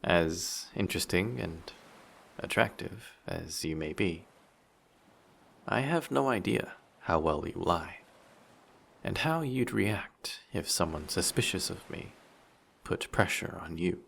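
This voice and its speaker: A man voicing a flirty, possessive sea monster in human guise for an intimate roleplay audio drama, measured and politely menacing. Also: low voice, expressive, vocal fry, a bit bright, a little hiss or hum, exaggerated voice. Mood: calmly menacing.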